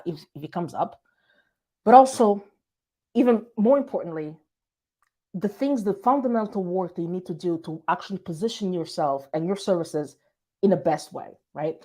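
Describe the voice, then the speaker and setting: A woman with a light, hard-to-place foreign accent that carries a hint of British, speaking straight to her viewers. Her delivery is conversational and story-driven, as she gives business advice as a marketing strategist. Her voice sits at a middle pitch for a woman. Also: lively intonation, normal speed, warm tone. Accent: light hard-to-place foreign accent with some British touches. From Portugal. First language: Portuguese. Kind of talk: business advice talk to camera.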